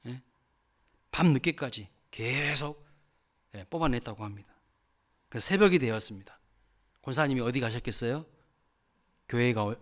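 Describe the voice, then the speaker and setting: A man's voice: mid-range voice, sharp tone. A male pastor giving a sermon, telling a story and asking the congregation questions.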